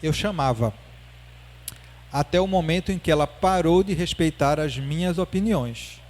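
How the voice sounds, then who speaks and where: A grave little girl of six lays out her argument with calm, stubborn earnestness, as a man retells her words in a lecture. The voice sits a little high and is spoken without much change. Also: moderate pace, natural voice. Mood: earnest. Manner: earnest, matter-of-fact arguing. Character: serious stubborn six-year-old girl.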